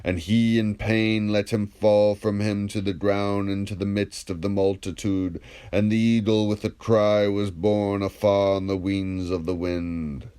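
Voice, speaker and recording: A man reading the part of a patient, ironic, probing philosopher in a dramatised dialogue, in a measured, declamatory, questioning manner. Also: fairly low pitch, level tone, mellow, clear, resonant tone, natural voice. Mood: solemn recitation.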